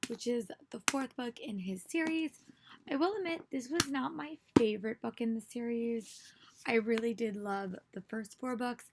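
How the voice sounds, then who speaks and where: A young woman with a hoarse voice, a teacher chatting casually to camera in a reading vlog, rambling with many "um"s and "really"s. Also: on the high side, noisy background. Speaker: book vlogger and teacher.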